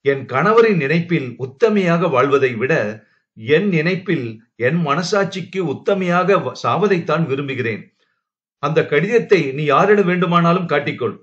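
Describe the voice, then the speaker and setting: An upright young wife pleads in a higher, firm voice, with a man reading her part. The sound is muffled and lo-fi, as in a home-made audiobook. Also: expressive, normal speed, fairly bright tone. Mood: pained. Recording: dull lo-fi recording.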